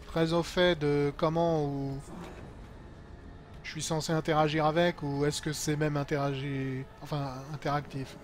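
A man's voice: a little high, little pitch movement, unhurried. A man giving casual, colloquial, mildly sarcastic live commentary as a game streamer. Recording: game sound clearly behind voice. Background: video game noise and ambience.

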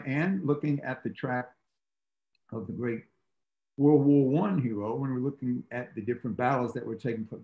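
An older man whose first language is Greek, giving a steady, measured talk as a tour guide and lecturer over a video call. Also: medium pitch, reverberant, rough recording. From United States.

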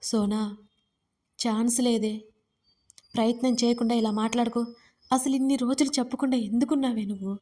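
A woman's voice: a little high, fairly even intonation, moderate pace, pauses often, lightly acted. Woman voicing a distraught, tearful young woman. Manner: tearful, pleading, shouting. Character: distraught young woman, pleading and scolding her friend.

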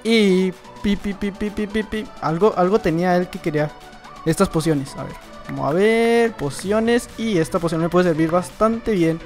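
High-voiced young gamer. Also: male voice, normal speed, soft background music. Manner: playful, teasing opponents, bursts of laughter. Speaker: gaming youtuber. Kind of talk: casual gameplay commentary.

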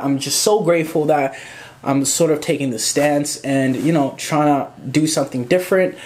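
A man's voice: on the high side, darkish tone. Chatty young man vlogging at home. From Zimbabwe. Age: 20s. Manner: chatty, rambling, gestures with hands, swears casually. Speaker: photographer and YouTuber. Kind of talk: casual vlog Q&A. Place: small indoor room at home.

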